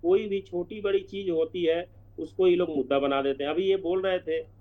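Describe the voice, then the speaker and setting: A man's voice: sits high, fairly even intonation, normal speed. A man on a remote line, insistently defending his side in a debate. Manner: insistent, talks over the host. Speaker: political panel guest. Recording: thin phone-like remote line.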